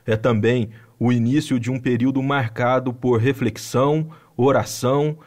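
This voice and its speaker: A man with a Brazilian Portuguese accent reading a scripted news voice-over in an even, measured way. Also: mid-range voice. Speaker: news narrator.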